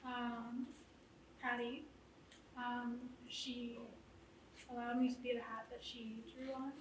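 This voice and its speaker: Shy, quiet young woman, echoey hall. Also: fairly high pitch, little pitch movement, slow pace. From Ontario, Canada. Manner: shy, hesitant, many fillers. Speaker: young beading artist. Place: indoor exhibit hall. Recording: echoey room, distant, with background noise.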